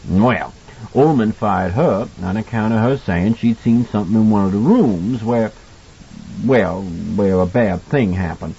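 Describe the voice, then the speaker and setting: Guy doing a kindly old hotel cook for an audiobook, low husky voice, folksy, kinda muffled sound. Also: a little slow, warm tone, full character voice. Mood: grave, cautioning. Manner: folksy, colloquial, earnest. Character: kindly older male hotel cook, folksy, gently cautioning a child. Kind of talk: audiobook character dialogue.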